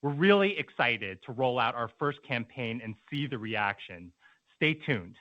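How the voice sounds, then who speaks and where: A man's voice: medium pitch, lively intonation, unhurried, pushed and bright, no room sound. Polished male executive, dull dry call audio. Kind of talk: prepared answer on an earnings call. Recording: dull, band-limited conference call audio.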